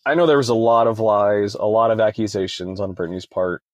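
A man's voice: fairly low pitch, brisk, no room sound. Young man telling a story, dry close sound. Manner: conversational, leans on "you know" fillers. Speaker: podcast guest. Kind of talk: casual interview storytelling.

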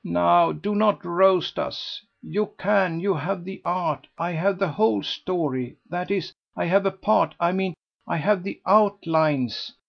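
A man voicing an excitable, gossipy older society lady who gushes and pleads breathlessly. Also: high voice, slow pace, vocal fry, muffled recording, pitched above the performer's own voice, full character voice. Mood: gushing.

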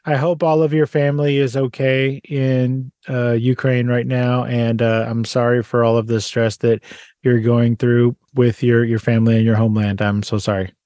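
A man's voice: mid-range voice, flat delivery, normal speed, warm tone, no room sound. Upbeat guy hosting a podcast interview, medium voice, super dry mic. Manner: upbeat, chatty intros. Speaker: podcast host. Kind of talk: casual interview.

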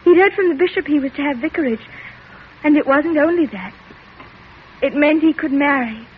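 An actress playing a frightened, hysterical young daughter who answers in a trembling, tearful voice, in 1940s radio drama style. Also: female voice, sits high, moderate pace, close to an everyday voice. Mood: shaken. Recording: tinny old radio broadcast with hiss.

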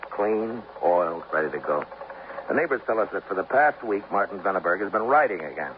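A weary police lieutenant with a very deep voice who runs through the facts briskly and plainly. He sounds like an old radio play, dull in tone with a faint hiss. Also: expressive. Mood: matter-of-fact. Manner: brisk, matter-of-fact reporting. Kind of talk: 1950s radio drama acting.

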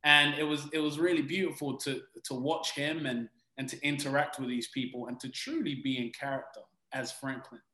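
A British man speaks as an interview guest, earnest and reflective, often pausing to restart a thought. His voice is bright and forward. The room around him is noticeably echoey. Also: mid-range voice, steady tone. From Britain. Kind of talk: conversational interview answers.

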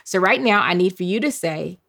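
A woman hosting a podcast Bible lesson, leading call-and-response memorization with drawn-out phrases. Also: fairly low pitch, animated, vocal fry, fairly bright tone. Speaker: podcast host and Bible teacher.

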